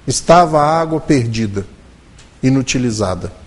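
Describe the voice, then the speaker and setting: A man giving a religious lecture at a spiritist center, telling a story and slowing his delivery to stress key words. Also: mid-range voice, animated. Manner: storytelling, shifts intonation and slows for emphasis. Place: spiritist center meeting room.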